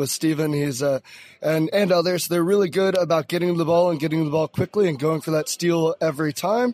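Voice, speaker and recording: With an American accent, a man using an ordinary speaking voice talks at a fairly quick pace, fairly high in pitch with fairly even intonation, in dry, close sound with no echo. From Florida, US. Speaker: amateur rugby coach. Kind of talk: post-match interview. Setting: outdoors outside a pub.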